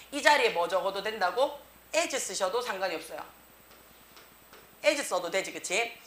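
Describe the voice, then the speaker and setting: Female cram-school teacher, bright and forceful, frequent check-in questions, roomy classroom sound. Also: mid-range voice. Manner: tag question after nearly every phrase, lively reading. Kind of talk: classroom grammar lecture. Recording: echoey room.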